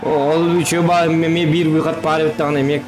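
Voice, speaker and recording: A man's voice: fairly high pitch, little pitch movement, fairly quick. A man giving casual live gameplay commentary, muttering remarks to himself as he plays. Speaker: game streamer. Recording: game noise and engines behind the voice.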